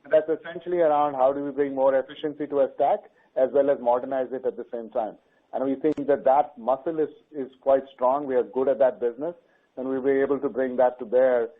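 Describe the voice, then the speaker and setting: A man answering questions as a company executive on an earnings call. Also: mid-range voice. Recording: tinny narrowband conference phone line.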